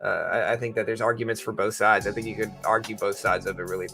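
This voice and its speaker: A man's voice: fairly low pitch, fairly even intonation, quick pace, gravelly, sharp tone, soft background music. A man hosting a livestream, giving casual, conversational market commentary and explaining things informally to viewers. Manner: informal, conversational, explanatory, hedging both sides. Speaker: livestream host and stock trading commentator.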